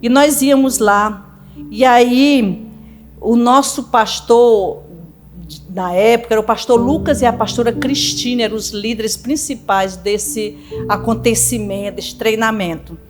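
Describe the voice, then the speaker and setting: Woman preaching over soft music. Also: fairly high pitch, unhurried. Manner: conversational preaching, frequent "tá?" check-ins. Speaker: pastor. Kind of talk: sermon. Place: church sanctuary. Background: music playing.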